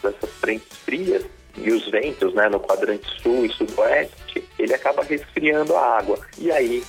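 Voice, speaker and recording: A marine biologist explains in a steady, mid-pitched male voice, leaning on rhetorical questions. Faint music sits under the recording. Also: measured pace, gravelly, poor audio. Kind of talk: recorded expert answer.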